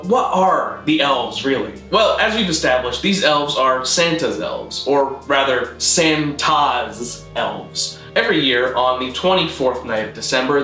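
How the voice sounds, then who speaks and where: Male explainer narrator, bright tone, dry didactic scripted delivery, some room echo, light music bed. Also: medium pitch. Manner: deadpan, didactic. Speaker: host, video essayist on constructed languages. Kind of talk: scripted narration, mock-academic lecture.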